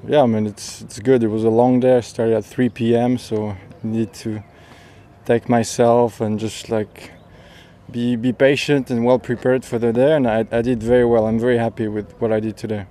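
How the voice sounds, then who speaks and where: Flat, mellow man in interview. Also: mid-range voice, normal speed. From France. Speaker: professional golfer being interviewed. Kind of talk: casual post-round interview.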